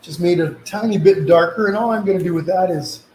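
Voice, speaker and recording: A man hosts a casual painting lesson in a slightly sniffly, fairly high voice. He guides viewers in an easygoing, reassuring manner. The sound is quite roomy, with a little background noise. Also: fast, darkish tone. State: slight sniffles from a mild cold. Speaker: painting instructor hosting a live session. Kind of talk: casual live painting tutorial.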